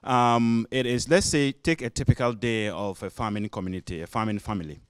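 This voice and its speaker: Ghanaian man, audience comment, unhurried storytelling delivery, crisp close sound. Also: mid-range voice, no room sound. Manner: measured, illustrative storytelling. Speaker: audience member. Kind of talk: explanatory comment in a panel discussion. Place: conference room.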